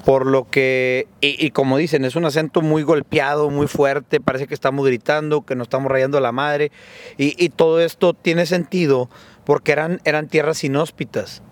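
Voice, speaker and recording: A man's voice: a little high, level tone, moderate pace. A man with a northern Mexican accent, hosting a casual podcast chat and joking in slang as he lays out his theories. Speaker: podcast host.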